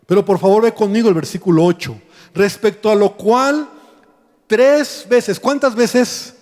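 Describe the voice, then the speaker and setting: Pastor guy preaching, high mellow voice, big echoey church sound. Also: expressive, normal speed. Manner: emphatic preaching, acting out prayers. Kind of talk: sermon. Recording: long church reverb.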